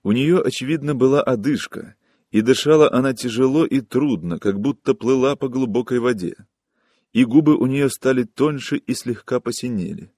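A man's voice: medium pitch, normal speed, a little mellow, dry recording, clean studio sound. Man narrating a literary audiobook.

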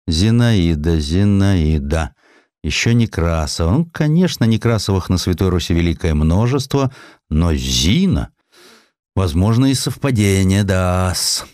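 A refined, thoughtful newspaper editor acted by a man in an audio drama. The voice is low and expressive, with resolute, old-fashioned educated phrasing. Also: no echo, clean studio sound. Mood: musing. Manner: musing, drawn-out, old-fashioned educated speech. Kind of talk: Russian audio drama storytelling.

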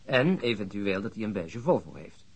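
An actor playing a calm, dryly reflective senior police detective in a naturalistic radio drama. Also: male voice, fairly low pitch, normal speed, slightly rough.

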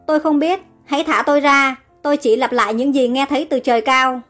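A woman voicing a brave, quick-witted young prophetess who speaks urgently and pleads. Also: high voice, steady tone, a bit bright.

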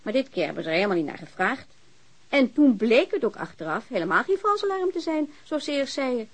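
A vain, flirty female telephone operator in a radio drama. Her voice is very animated, with big swoops in pitch. She is chatty, playful and openly teasing. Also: fairly quick, slightly rough. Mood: chatty, matter-of-fact.

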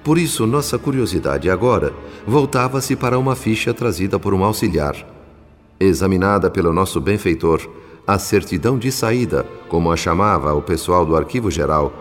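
An actor playing a solemn, formal spirit narrator of a radio drama. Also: male voice, low voice, animated, normal speed. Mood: solemn, reflective. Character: male spirit narrator, solemn, reflective chronicler. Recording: long hall reverb over music.

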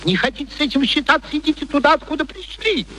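An actor playing an arrogant, cutting scholar in a radio play, declaiming and arguing with scorn. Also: male voice, very high-pitched, lively intonation, fast, sharp tone, exaggerated voice. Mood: scornful. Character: arrogant, self-absorbed male scholar, cutting and exasperated. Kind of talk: Soviet radio play acting. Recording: old radio play recording, faint noise.

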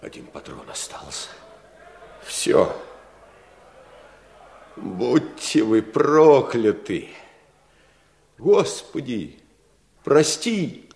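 An actor playing a cornered, defiant gentleman bandit chief, contemptuous and theatrical, in a radio drama. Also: medium pitch, huge pitch swings, very slow, vocal fry, long pauses, full character voice. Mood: despairing. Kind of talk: Soviet radio drama acting. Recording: echoing radio play with faint noise.

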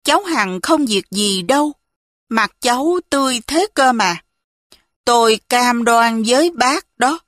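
Brief: a woman voicing a gentle elderly scholar, slow and reassuring, dry close sound. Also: fairly high pitch, expressive, dry recording. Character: kind old village scholar, calm and gentle.

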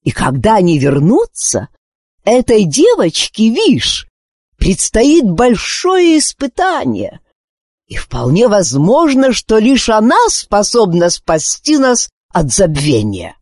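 A woman reading a children's story and voicing a wise, kindly talking bird that croaks earnestly. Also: medium pitch, huge pitch swings, takes it slowly, darkish tone, no echo, studio quality, pitched above the performer's own voice, heavily acted.

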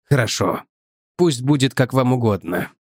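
A man voicing a weary, calm old male professor in an audiobook, low and unhurried. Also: husky, no echo, clean studio sound. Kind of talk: audiobook character voice.

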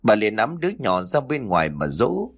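A man narrating a family story in a steady storytelling manner. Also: fairly low pitch, normal speed.

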